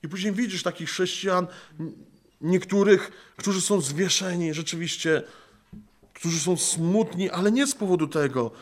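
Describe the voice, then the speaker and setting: A man preaching an earnest sermon, slowing down and softening when he quotes Christ, apparently speaking outdoors among trees. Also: high-pitched.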